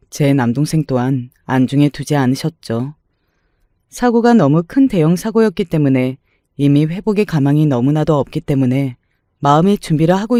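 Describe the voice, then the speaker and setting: Man with a somber, mellow narrating voice. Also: a little high, dry recording, clean studio sound. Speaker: story narrator. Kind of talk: scripted storytelling narration.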